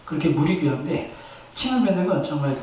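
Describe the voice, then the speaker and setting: A male pastor preaches a Sunday sermon in a church sanctuary, telling stories with great animation and urging the congregation on. His voice is a little high with a darkish tone, and he speaks fast. The echoey hall and distant mic leave slight background noise.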